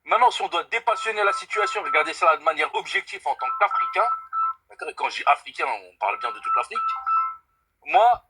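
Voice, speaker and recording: A man's voice: fairly high pitch, expressive, fast, loud music behind the voice, rough recording. A young man from France calling in to a live stream, speaking earnestly and emphatically and swearing by God to stress his points. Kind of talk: casual debate call.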